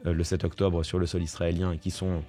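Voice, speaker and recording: A man's voice: sits low, level tone, a little fast, dark tone, soft background music. A man commenting live on the news, reading reports aloud and then adding indignant remarks with many fillers. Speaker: political commentator.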